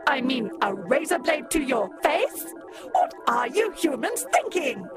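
An actress voicing a haughty female robot who sells shaving cream in a sing-song pitch and scorns humans, in an old-time radio comedy ad. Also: very animated, a little slow. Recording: music bed under voice.

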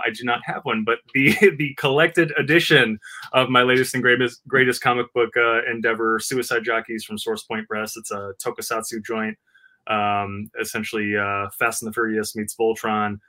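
A man's voice: lowish voice, little pitch movement, normal speed, bright, forceful tone. A man co-hosting a podcast, chatting casually and rambling with lots of filler words and jokes. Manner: rambling, full of "uh" fillers, jokey. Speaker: podcast co-host.

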